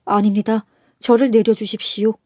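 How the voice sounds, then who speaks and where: A woman's voice: mid-range voice, little pitch movement, moderate pace, warm tone, dry recording, muffled recording, natural voice. A woman voicing a proud male nobleman in a storybook folktale, haughty and scolding. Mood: pleading. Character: arrogant male Seoul nobleman, pompous then groveling.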